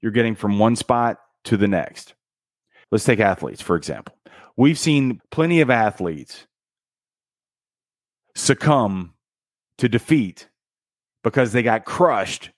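Male host, motivational book talk, animated pitch, dry close sound, punchy emphatic delivery. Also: a little slow, pauses often, no echo. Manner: energetic and emphatic, with dramatic counting and punchy one-word beats; casual slang like "dude" and "bro".

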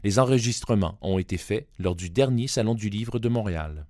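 A man reading a podcast's scripted introduction in a smooth, even way. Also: fairly low pitch, a little fast, no echo, clean studio sound. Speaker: podcast announcer.

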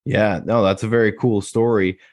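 Friendly podcast host man, low voice. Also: steady tone, moderate pace, a little mellow, no echo, clean studio sound. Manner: friendly, rambling questions with restarts. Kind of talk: casual interview chat.

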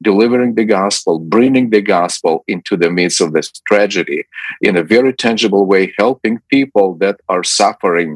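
A man's voice: on the low side, a little fast, dry recording, low-quality recording. A middle-aged man from Ukraine, speaking as a guest in a radio interview, hesitant and full of fillers and restarts. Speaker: ministry president, guest.

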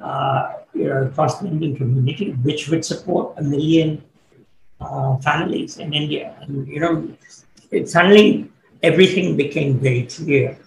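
Middle-aged man, gravelly voice, thoughtful, roomy echo, faint hiss. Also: a little high, fairly even intonation. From born in Kenya, grew up in the UK. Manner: thoughtful, fillers, measured. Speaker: guest, business coach. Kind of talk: interview answers. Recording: echoey room, faint background noise.

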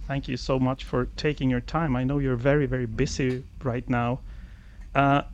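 A man co-hosting a radio show, interviewing a guest in a friendly, enthusiastic, slightly halting way. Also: medium pitch, flat delivery, a little mellow, lo-fi sound. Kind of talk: casual podcast interviewing.

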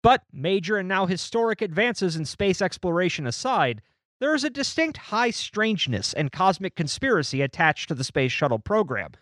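A man's voice: a little high, no echo, studio quality. A man co-hosting a podcast, chatting casually about a book and reading long passages aloud. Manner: lively, animated delivery with restarts. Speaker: podcast co-host.

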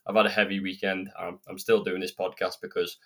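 Sniffly low-voiced man hosting. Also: flat delivery, brisk, sharp tone. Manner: earnest, rambling and chatty. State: slightly croaky and sniffly with a cold. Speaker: podcast host. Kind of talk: solo self-improvement podcast monologue. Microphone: podcast microphone.

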